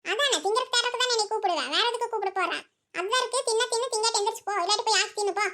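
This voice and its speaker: Squeaky old mother-in-law voiced by a woman, bossy, snaps back at everything, cartoon. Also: sharp tone. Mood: scolding. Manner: teasing and scolding, quick retorts. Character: sharp-tongued old village mother-in-law, scolding. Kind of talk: cartoon voice acting.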